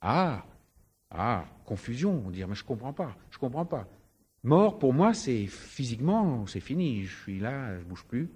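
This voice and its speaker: A man's voice: medium pitch, very animated, a little slow, a little mellow, husky. A man preaching and explaining scripture in an emphatic way, repeating his key points. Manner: emphatic, explanatory, rhetorical repetition. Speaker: Christian preacher and speaker. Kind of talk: sermon, teaching from scripture.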